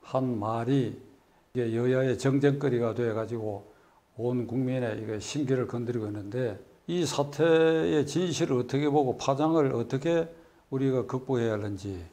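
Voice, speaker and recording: A man hosting a political talk show, putting questions to a guest in a measured way. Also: medium pitch, mellow.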